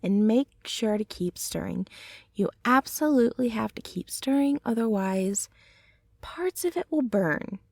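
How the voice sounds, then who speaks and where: A gentle, affectionate centaur girlfriend, played by a woman, rambles softly in a soothing ASMR roleplay. Her voice sits a little high and moves at a slow, tender pace. The sound is dry and close, with no room around it. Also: lively intonation, vocal fry, no room sound, heavily acted. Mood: gentle, instructive. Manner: soft, tender, unhurried, rambling. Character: gentle, affectionate young centaur girlfriend, chatty home baker.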